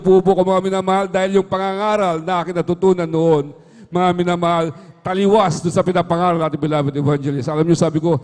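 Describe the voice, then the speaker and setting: A man's voice: sits high, a little mellow. A man giving an earnest testimony at a worship service, repeating a fond address to the listeners after nearly every phrase. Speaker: church member giving testimony. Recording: long hall reverb.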